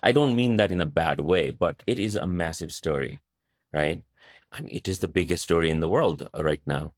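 A man's voice: deep voice, normal speed, no echo, clean studio sound. A journalist guest in an interview, answering thoughtfully and filling his speech with "you know" and "right". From Nepal.

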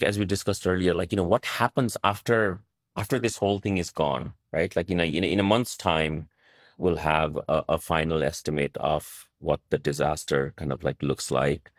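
A man's voice: a bass voice, fairly even intonation, moderate pace, no room sound, studio quality. A journalist guest in an interview, answering thoughtfully and filling his speech with "you know" and "right". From Nepal.

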